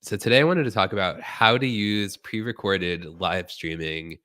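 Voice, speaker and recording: A man hosting a casual live stream tutorial, sounding hoarse from a cold and chatting directly to his viewers. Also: lowish voice, moderate pace, bright, forceful tone.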